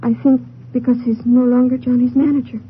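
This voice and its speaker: A high female voice, thin and tinny on an old, slightly noisy radio recording. An actress plays a lovestruck young Mexican girl in a crime melodrama. She is earnest, emotional and pleading. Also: level tone, fairly quick, close to an everyday voice. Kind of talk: 1950s American radio melodrama acting.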